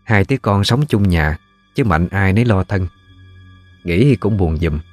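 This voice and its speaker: A man with a Southern Vietnamese accent narrating a ghost story in a folksy, unhurried way. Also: low-pitched, expressive, darkish tone, no echo, faint music behind.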